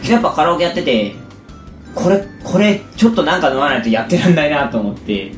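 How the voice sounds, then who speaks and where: Guy with raspy wrecked voice chatting fast, really animated, echoey room w music behind. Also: on the high side. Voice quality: hoarse, gravelly rasp from overused voice. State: hoarse after a day of shouting karaoke. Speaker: recording show host. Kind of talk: casual chat. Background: background music.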